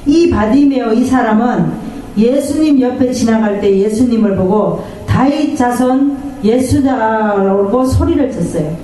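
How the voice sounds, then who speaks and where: A woman pastor delivers a sermon in a church sanctuary, pulling amens from the congregation and performing the voices of those she quotes. Her voice is a little high and dark in tone, at normal speed, captured from a distance in an echoey church hall.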